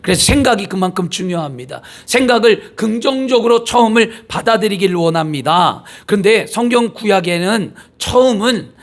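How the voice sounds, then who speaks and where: A man's voice: high-pitched, animated, normal speed, hardly any pauses. A middle-aged male pastor with a cold, preaching conversationally with rhetorical questions and family anecdotes. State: has a cold. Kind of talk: sermon. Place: church sanctuary.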